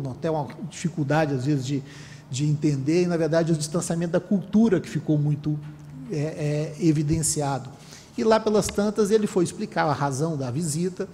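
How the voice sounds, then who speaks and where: A man in his thirties from Brazil giving a formal seminar speech at a panel table, measured, with frequent restarts. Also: a little high, warm tone. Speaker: panel speaker, council member. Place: conference room with panel table. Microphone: table microphone. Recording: long hall reverb, faint room noise.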